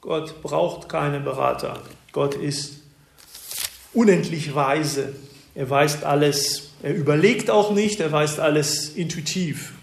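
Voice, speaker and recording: A man preaching a Bible-teaching sermon, explaining verses slowly and deliberately with occasional hesitations. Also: on the high side, gravelly, roomy sound, a little hiss or hum. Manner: slow, deliberate expository delivery with some hesitations.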